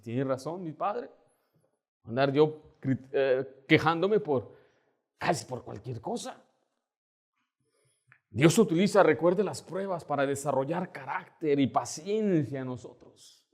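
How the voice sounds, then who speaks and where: Male pastor, high voice, animated conversational sermon with acted-out quotes. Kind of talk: Baptist sermon.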